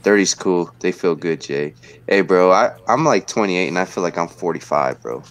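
A man's voice: low voice, expressive, moderate pace. A man in his twenties hosting a casual livestream from home, bantering in slang and reading chat messages aloud. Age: 20s. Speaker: livestream host. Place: indoor home room, webcam stream.

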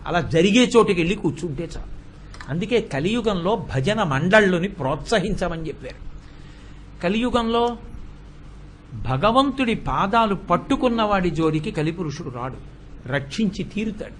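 A man's voice: high-pitched, a little hiss or hum. A man giving a religious discourse, breaking into sung devotional refrains as he tells his points. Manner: sings bhajan refrains mid-talk, animated storytelling. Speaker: spiritual speaker.

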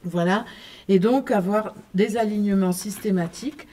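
In a meeting room, a woman explains a planning design to a group standing around a table. Her medium-pitched, mellow voice moves at a moderate pace, but she's hesitant, full of fillers and restarts.

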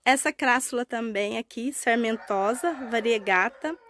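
A woman in her fifties from Brazil, hoarse from a cold, chatting warmly about her succulents in a shaded greenhouse nursery. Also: on the high side, measured pace, a little hiss or hum. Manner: chatty and affectionate, tag questions and diminutives. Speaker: succulent grower. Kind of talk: casual plant-care vlog. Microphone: wired lapel mic.

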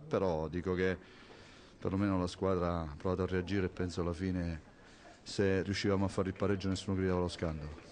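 A man speaking as a football coach in a post-match interview, halting and resigned. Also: deep voice, darkish tone.

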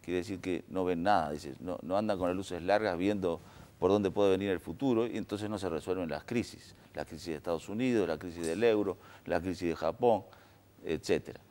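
A Uruguayan man speaking as a political analyst on a panel, in a measured way with hesitant fillers. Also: deep voice, a little mellow. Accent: Uruguayan Spanish. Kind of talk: panel discussion.

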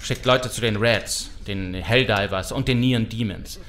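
A man's voice: lowish voice, measured pace, fairly bright tone, slight background noise. An actor playing a determined, firm street gang leader rallying his people in a German audio drama. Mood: resolute. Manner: firm, commanding.

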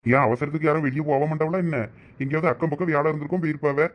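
A man playing a fast-talking patient village husband. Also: on the high side, fairly even intonation, muffled recording, lightly acted. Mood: chiding. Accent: Thoothukudi Tamil.

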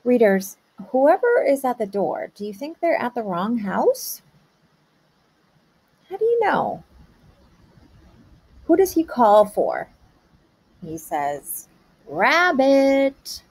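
A woman teacher pausing a read-aloud to ask young children patient questions about the story. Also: fairly high pitch, sing-song, darkish tone, breathy edge. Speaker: kindergarten teacher.

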